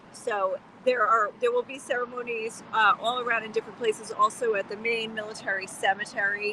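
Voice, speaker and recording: Against noticeable background noise, a woman with a fairly high pitch talks at a fairly quick pace in a flat, monotone way, with hardly any pauses. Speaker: livestreamer. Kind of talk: live outdoor vlog commentary. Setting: outdoors on a busy street. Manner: loud, yelling over traffic; hesitant, many fillers.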